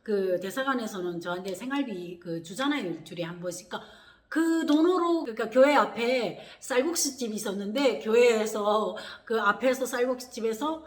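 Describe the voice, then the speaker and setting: A woman from Korea, telling her personal story in a lively way, acting out what others said. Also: a little high, normal speed. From North Korea. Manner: animated, acts out quoted voices with gasps and laughs. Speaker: vlogger. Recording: echoey room.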